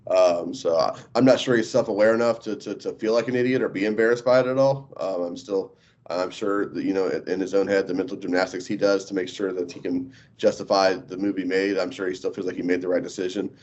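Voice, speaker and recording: A man with a very low voice co-hosts a sports podcast, bluntly and with swearing. He fills his talk with ums and restarts. The audio is muffled and lo-fi. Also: fairly even intonation, fairly quick, a little mellow. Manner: blunt and profane, many filler ums. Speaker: podcast co-host. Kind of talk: casual sports chat.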